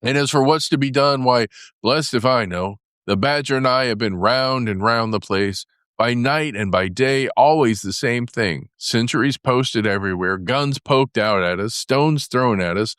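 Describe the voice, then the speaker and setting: Man doing a grumbling storybook mole, somewhat raised pitch, dry sound. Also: animated, measured pace, a bit bright, smooth, no echo. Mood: grumpy. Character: grumpy hungry male mole.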